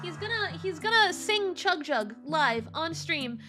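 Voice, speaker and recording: A woman streamer chatting casually with her audience. She is excitable and swings between loud squeals and soft mumbles. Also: very high voice, a little slow, loud music behind the voice. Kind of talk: casual live-stream chat.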